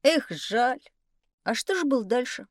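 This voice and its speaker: Lady doing a curious little schoolboy, high bouncy voice, dry studio sound. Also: animated, dry recording. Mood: curious, indignant. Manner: inquisitive, quick to explain what he knows. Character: curious young schoolboy Petya, eager know-it-all. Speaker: child character asking questions. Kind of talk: studio audiobook acting for children. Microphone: studio microphone.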